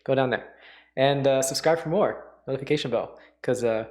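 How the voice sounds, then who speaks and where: Casual, halting male livestream host. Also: medium pitch, darkish tone. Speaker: host, livestreamer reacting to radio dramas. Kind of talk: casual off-the-cuff commentary.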